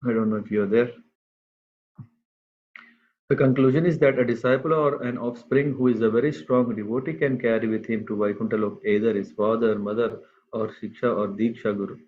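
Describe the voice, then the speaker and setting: A man giving a scripture class to a group, speaking unhurriedly and pausing often with fillers. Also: medium pitch, fairly even intonation, slight background noise. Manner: unhurried, halting with many fillers. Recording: tinny phone-like line.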